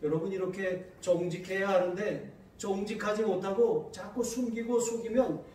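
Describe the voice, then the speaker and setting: High-voiced pastor in an echoey church. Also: male voice, a little hiss or hum. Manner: reads scripture slowly, then turns to lively anecdotes with laughter. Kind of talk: sermon. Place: church sanctuary. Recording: very echoey church sanctuary heard from a distance.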